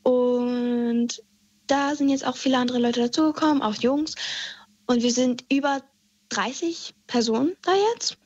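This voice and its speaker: Young female caller, high husky voice, hesitant, muffled phone line. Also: fairly even intonation, a little slow, a little mellow, dry recording. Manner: hesitant, many fillers. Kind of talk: phone-in story.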